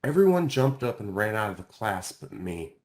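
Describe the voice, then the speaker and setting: A man's voice: fairly low pitch, sing-song, moderate pace, a little mellow. A man narrating a children's book expressively, as an author reading aloud.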